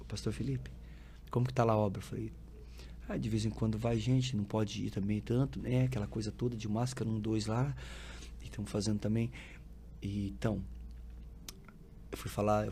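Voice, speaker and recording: A man's voice: on the low side, slight background noise. A man, a pastor, telling his personal testimony as a podcast guest, acting out the dialogue of his story and quoting scripture like a preacher. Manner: lively storytelling, acting out dialogue, frequent filler tags; preacherly, quotes scripture with rising emphasis.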